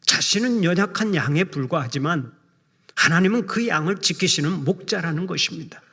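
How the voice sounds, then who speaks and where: A middle-aged male senior pastor preaching a sermon in a measured way, slowing down to recite scripture. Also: on the high side, animated, bright, forceful tone, slightly rough. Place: church sanctuary. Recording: long reverb of a big church hall.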